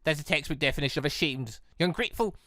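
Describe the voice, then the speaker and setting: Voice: medium pitch, very fast, sharp tone, no room sound, clean studio sound, pitched below the performer's own voice, natural voice. A game commentator voicing a young warrior woman's bitter alter ego, mocking and accusing. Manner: taunting, accusing.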